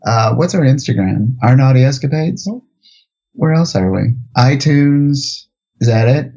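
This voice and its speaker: A man's voice: medium pitch, a little slow, creaky, mellow, highs cut off. A man from Indiana with an Indiana accent, a podcast guest who jokes easily and lets his sentences trail off. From Indiana, USA. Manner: easygoing, joking, trailing off.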